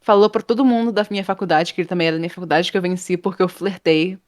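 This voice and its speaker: Woman telling a lively story. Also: on the low side, rapid-fire, no room sound, clean studio sound. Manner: animated, acts out quoted people, laughs often. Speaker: interview guest, game art professor. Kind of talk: casual storytelling in an interview.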